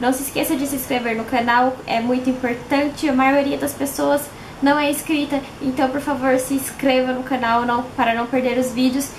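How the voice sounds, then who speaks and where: Her pitch is high and her intonation monotone and flat as a woman talks at a moderate pace. Light background noise can be heard. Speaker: beauty vlogger. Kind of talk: tutorial. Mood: cheerful, friendly. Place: home room.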